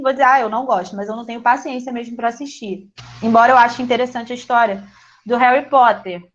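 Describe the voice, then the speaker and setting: Woman teacher, bright-ish voice, easygoing class chatter over a muffled call. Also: fairly high pitch. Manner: chatty, encouraging, laughs easily. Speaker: English teacher. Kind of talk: online class, casual teaching.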